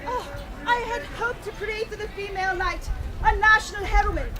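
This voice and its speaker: A woman's voice: very high-pitched, normal speed, heavy background noise. A woman playing a stern, regal older queen in a theatrical faire show, speaking in stately, formal declamation. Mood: grave. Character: Queen Eleanor, regal, stern, scheming-wary older mother. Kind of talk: theatrical Renaissance faire stage acting. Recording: outdoor crowd and street ambience.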